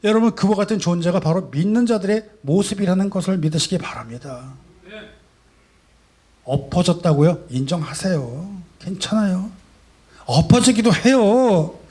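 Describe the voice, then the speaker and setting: A male pastor preaching a sermon, asking rhetorical questions and swinging between soft and loud emphasis. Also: sits high, animated, moderate pace, breathy edge. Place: church sanctuary.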